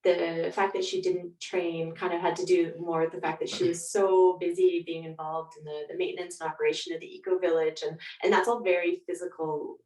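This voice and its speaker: A woman with a slightly low voice talks conversationally as an interviewed author. The sound is roomy and echoing, and she sits some distance from the microphone. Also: flat delivery, brisk, few pauses, darkish tone. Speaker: guest author.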